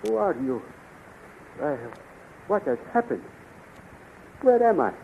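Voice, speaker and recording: An earnest radio-serial hero scientist, tinny recording. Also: male voice, sits high, sing-song, slow, creaky, heavily acted. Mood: dazed. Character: earnest male scientist hero, loyal captured prisoner. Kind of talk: 1930s radio serial acting. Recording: muffled, noisy 1930s radio recording.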